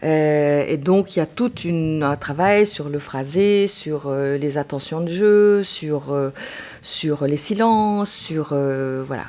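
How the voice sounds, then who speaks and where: Low, mellow-voiced reflective woman. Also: slow. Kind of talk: interview answers.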